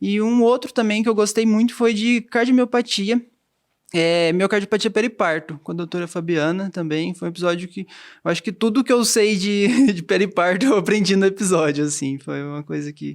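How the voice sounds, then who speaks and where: A man with a slight strong Minas Gerais accent, high pitch, ordinary pitch variation and a moderate pace, in a very clean recording with a silent background. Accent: slightly strong mineiro. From Minas Gerais, Brazil. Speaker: cardiologist and podcast co-host. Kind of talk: casual chat. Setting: studio.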